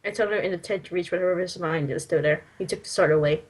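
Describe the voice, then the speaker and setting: A woman's voice: lowish voice, racing, breathy edge. A woman casually reading amateur fan fiction aloud, giggly and teasing with joking asides. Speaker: story reader.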